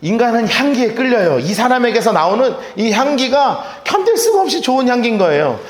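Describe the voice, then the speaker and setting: Man, pastor, sermon, high voice, acts out quotes, church hall echo. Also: fairly quick. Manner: animated, acts out quoted speech; humorous asides to the congregation. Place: church sanctuary.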